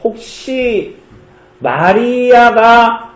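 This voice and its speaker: A male pastor giving a children's sermon, asking the kids questions and answering them in a lively way. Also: very high-pitched, drawn-out words, reverberant. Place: church.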